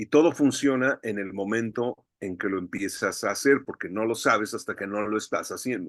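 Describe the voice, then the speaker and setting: A man with an ordinary speaking voice, fairly low in pitch, at a moderate pace with ordinary pitch variation, in a dry, close sound with no echo. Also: hardly any pauses, quiet background. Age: 60s. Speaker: sound editor. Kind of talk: interview conversation.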